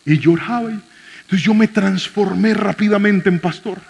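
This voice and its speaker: A male pastor preaching and telling a story, animated, acting out scenes and shouting the quoted lines. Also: high-pitched, moderate pace, vocal fry. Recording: long hall reverb.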